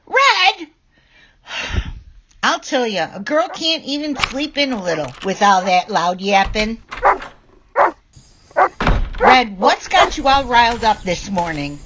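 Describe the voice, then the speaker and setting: A woman's voice: sits high, sing-song, slow, pauses often, noisy background, exaggerated voice. A woman acting a chatty, rustic backwoods woman who scolds and confides in her dog in an audio drama. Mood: exasperated. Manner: rustic, chatty, exasperated folksy talk.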